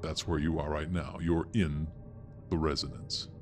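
Very deep-voiced man as game master, over music. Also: little pitch movement, a little slow. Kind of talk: explaining a tabletop role-playing story in conversation.

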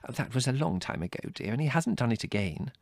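A man voicing a middle-aged mother in an audiobook, gentle and fond, fussing and soothing but firm. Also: mid-range voice, very animated, brisk, vocal fry, no room sound, clean studio sound, voice pushed up. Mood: placating. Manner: hesitant, soothing, fond protests. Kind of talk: audiobook character dialogue.

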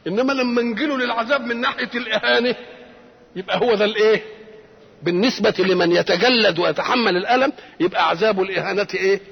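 A man's voice: high-pitched, fast, gravelly, fairly bright tone, husky, big-room sound. An older man with an Egyptian Arabic accent giving a Quran commentary lecture, who keeps asking rhetorical questions and answering them himself. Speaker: religious scholar.

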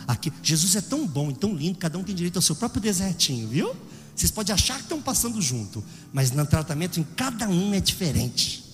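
A man preaching a sermon with a Brazilian Portuguese accent, swinging from loud exclamations to hushed storytelling. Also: sits high, very animated, quick pace, long reverb tail, soft background music.

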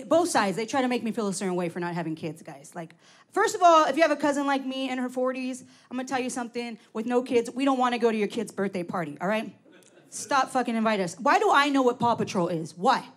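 A woman doing a brash, profane stand-up set into a handheld mic. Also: fairly high pitch. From Los Angeles. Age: 40s. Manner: brash, profane, loud punchlines. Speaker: stand-up comic.

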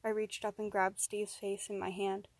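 Woman, horror story narration, first person, steady and even, dry close mic. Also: medium pitch, normal speed, dry recording.

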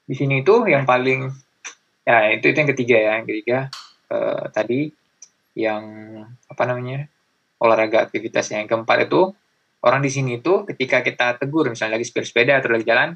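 A young man with a gravelly, husky voice chats loosely, full of fillers and little acted-out greetings. His tone is rough and not clear, and he is easygoing and talkative. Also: medium pitch, fairly bright tone. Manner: chatty, many fillers, acts out greetings. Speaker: guest. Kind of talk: casual chat.

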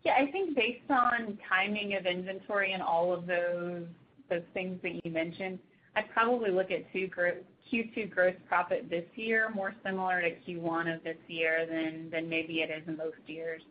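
A woman executive answering questions on an earnings call in a measured, matter-of-fact manner. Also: on the low side, fairly even intonation, slight background noise. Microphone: conference call. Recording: dull, lo-fi conference call line.

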